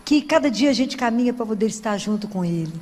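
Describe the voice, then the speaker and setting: A woman's voice: a little high, animated, quick pace. A middle-aged woman preaching a sermon in a church, telling stories with frequent tag questions. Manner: warm storytelling with frequent "né?" asides. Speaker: Catholic lay preacher. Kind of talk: sermon to a congregation. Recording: long hall reverb.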